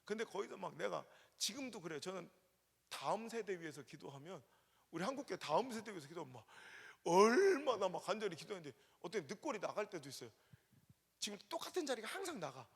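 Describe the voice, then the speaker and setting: Casting note: male revival preacher in his forties, high and gravelly, impassioned, recorded in a reverberant sanctuary. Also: big pitch swings, fast talker. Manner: impassioned, swings from hushed to shouting. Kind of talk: emotional revival sermon. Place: church sanctuary. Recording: long reverb of a church sanctuary.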